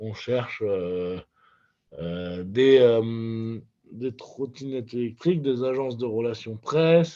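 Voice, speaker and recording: A man's medium-pitched voice with a dark, mellow tone and ordinary pitch variation. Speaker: business network founder. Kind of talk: webinar presentation.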